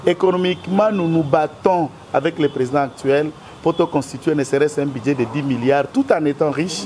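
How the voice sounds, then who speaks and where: A man's voice: fairly high pitch, fairly quick, a little mellow, slight background noise. A man with a Congolese French accent, a guest in a political interview, speaking in an emphatic, argumentative way.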